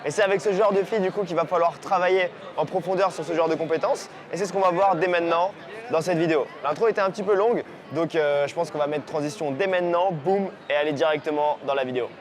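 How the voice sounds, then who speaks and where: Fast-talking man coaching outdoors. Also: on the high side. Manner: energetic, casual slangy talk. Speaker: dating coach.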